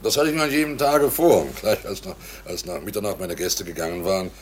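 A male actor plays a wily village innkeeper under suspicion in a radio play. The voice is deep, the manner ingratiating and hesitant as he accounts for himself, with slight noise behind. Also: fast talker, natural voice. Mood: ingratiating, evasive. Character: wily village innkeeper, a suspect protesting innocence. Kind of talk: German radio drama acting.

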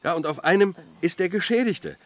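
A man's voice: sits high, animated, a little fast. A man playing a hesitant but eager junior police officer in a radio drama, matter-of-fact in manner. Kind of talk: German radio drama acting.

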